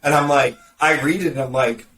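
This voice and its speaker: A man's voice: on the high side, fairly quick, a bit bright. Snarky man on a distant roomy mic. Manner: sarcastic, snarky, acts out quoted reactions. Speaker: podcast guest, marketing consultant. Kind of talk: casual podcast conversation. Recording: roomy, distant mic with faint background noise.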